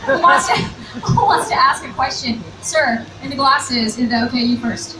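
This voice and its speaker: A woman's voice: high-pitched, normal speed. A woman moderating a convention Q&A, chatty and upbeat, calling on fans one by one. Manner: chatty, upbeat, directs the queue. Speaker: panel moderator. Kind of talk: hosting a convention Q&A. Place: large convention hall. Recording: echoey hall, distant mic, crowd noise.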